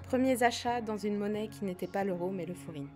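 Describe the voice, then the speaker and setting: A teenage girl reading a scripted documentary narration in a measured, reflective way. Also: medium pitch, warm tone. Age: teens. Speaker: student narrator. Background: background music.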